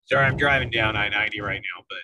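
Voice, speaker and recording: A man who is a fire chief calling into a meeting on a car speakerphone while driving, asking a question in a halting way and repeating words. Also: lowish voice, pushed and bright. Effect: car speakerphone call while driving. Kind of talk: casual question in a video meeting. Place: inside a moving car. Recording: distant, noisy car speakerphone.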